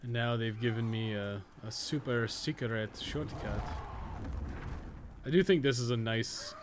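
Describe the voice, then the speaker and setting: A man with a mid-pitched voice streams a game and chats casually with viewers. He thinks aloud in halting, colloquial bursts and swears freely. There is clear noise and ambience behind his voice. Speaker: game streamer and guide maker.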